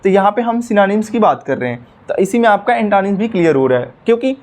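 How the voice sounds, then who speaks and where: High-voiced man teaching vocabulary. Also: sing-song, fast, a little mellow. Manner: explains word by word, repeats terms, frequent "ठीक है" and "guys". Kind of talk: online exam-prep lesson.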